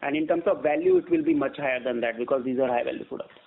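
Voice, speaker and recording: A man, a company executive answering analysts on an earnings call in a halting, measured way, often repeating words. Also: mid-range voice, huge pitch swings, creaky. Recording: narrow tinny phone-line conference call.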